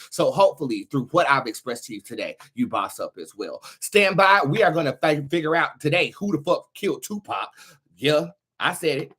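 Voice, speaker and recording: A man's voice: medium pitch, a bit bright, breathy edge. A man hosting a livestream, talking in a sassy, theatrical way with plenty of swearing and motivational chat. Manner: sassy, theatrical, foul-mouthed. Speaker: host of a tarot livestream show.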